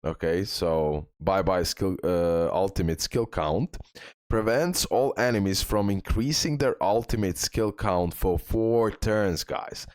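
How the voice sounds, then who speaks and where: A man's voice: sits low, slow pace, a little mellow, no echo, studio quality. A man hosting a game guide, reading out skill descriptions and giving tips informally, addressing viewers directly and repeating points for emphasis. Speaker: gaming content creator and host.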